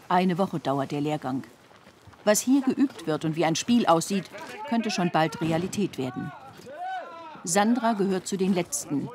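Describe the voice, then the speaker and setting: A woman's voice: lowish voice, darkish tone. A woman reading scripted narration for a television documentary report.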